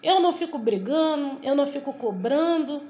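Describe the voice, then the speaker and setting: A middle-aged woman from Brazil delivers a devotional sermon to the camera. Her voice sits high, and she preaches fervently, with emphatic stresses and repeated phrases. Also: lively intonation, normal speed, warm tone. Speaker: evangelical preacher.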